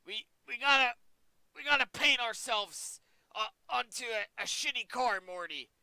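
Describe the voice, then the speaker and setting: A man's voice: very high-pitched, expressive, a little slow, bright, forceful tone, clear, resonant tone, no echo, voice pushed up, heavily acted, poor audio. A man doing a strained, stammering impression of a manic old male cartoon scientist.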